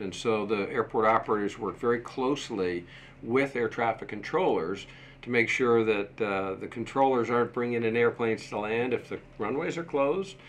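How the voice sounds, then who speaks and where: A man in his sixties speaks with a low voice as an interview guest. His phrasing is measured and hesitant, with pauses. He is recorded at a table microphone with clear room noise behind him. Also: fairly bright tone. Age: 60s. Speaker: interview guest, museum deputy director and former airport manager. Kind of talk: interview answers. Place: small indoor office set. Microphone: desktop microphone shared at a table.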